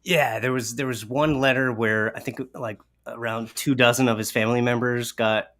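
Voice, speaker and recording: A man's voice: medium pitch, steady tone, moderate pace, a bit bright. Casual, playful man chatting. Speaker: guest co-host, writer and voice actor. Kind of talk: casual chat.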